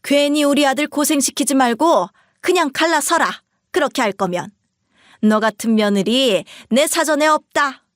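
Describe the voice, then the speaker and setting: A woman voicing a middle-aged mother-in-law who scolds in a piercing, shrill voice in a narrated story. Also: animated, moderate pace, no echo, clean studio sound. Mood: shrill scolding.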